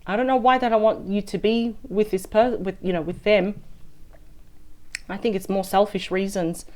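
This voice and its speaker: A woman reading tarot cards, chatty and thinking aloud. Her voice is husky and a little weak after a sore throat. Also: medium pitch, fairly even intonation, normal speed, a little mellow. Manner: chatty and thinking aloud, often adds "right?". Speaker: tarot reader. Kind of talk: weekly tarot card reading.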